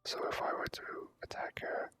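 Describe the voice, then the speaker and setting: An ASMR gaming host giving casual, drawn-out gameplay commentary in whispers. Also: bright, forceful tone.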